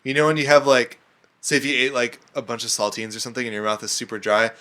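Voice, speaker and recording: A man's voice: medium pitch, flat delivery, quick pace, pushed and bright. A man in a casual podcast chat, joking and swearing. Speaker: podcast co-host.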